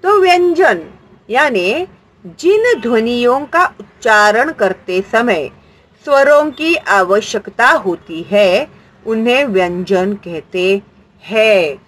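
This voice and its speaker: A woman's voice: a little high, expressive, slow pace, a bit bright, rough recording. A woman teaching a grammar lesson, patient and explanatory, asking questions and answering them herself.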